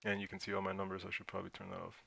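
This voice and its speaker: German-born guy hosting a livestream, gravelly voice, bright forceful edge, talks things through out loud. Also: sits low, completely flat delivery, racing. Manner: thinks aloud while reading chat questions. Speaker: crypto livestream host. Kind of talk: casual livestream Q&A.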